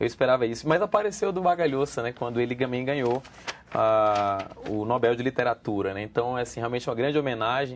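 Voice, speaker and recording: Speaking very fast, a man uses a medium pitch whose variation is ordinary. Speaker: Spanish teacher. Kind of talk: exam commentary. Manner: halting.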